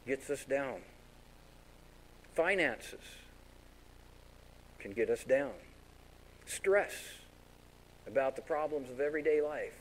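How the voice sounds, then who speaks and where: A man's voice: medium pitch, a little hiss or hum, rough recording. Give me a folksy male pastor preaching a sermon. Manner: folksy, animated storytelling with acted-out voices.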